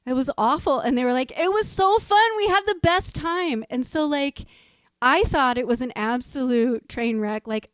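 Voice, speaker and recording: A woman's voice: fairly high pitch, clear, resonant tone, no room sound, studio quality. A woman musician in a casual interview, chatty and laughing often as she tells corny jokes. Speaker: musician guest.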